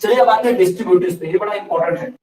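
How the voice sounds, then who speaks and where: A high-pitched man gives an online grammar lesson in a relaxed, conversational way. He keeps asking his viewers questions and answers them with simple examples. His voice echoes around the room and sits a little back from the mic. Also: very fast, slight background noise. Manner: explains by repeated questions and examples, addresses viewers as "bhai". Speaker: online English grammar teacher. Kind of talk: casual spoken grammar lesson. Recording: roomy echo, somewhat far from mic.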